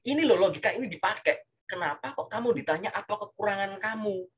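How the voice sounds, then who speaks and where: A man giving casual career coaching, animated and full of rhetorical questions and filler tags. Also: high-pitched, fast talker, husky.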